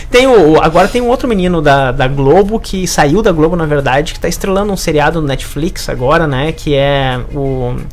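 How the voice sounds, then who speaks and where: The speech moves at a moderate pace with hardly any pauses over noticeable background noise. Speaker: talk show host. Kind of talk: live interview chat. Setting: studio.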